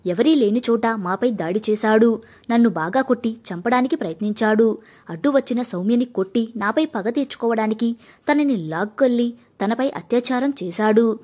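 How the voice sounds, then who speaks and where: A woman voicing an earnest, injured young married man who pleads gently but firmly. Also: a little high, normal speed, natural voice. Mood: pained, earnest. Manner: pleading, firm.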